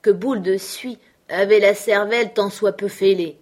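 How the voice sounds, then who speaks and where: A woman's voice: medium pitch, fairly even intonation, moderate pace, pitched above the performer's own voice, natural voice. A woman reading the part of a worried adult male trapper in a storybook, with insistent, anxious questions.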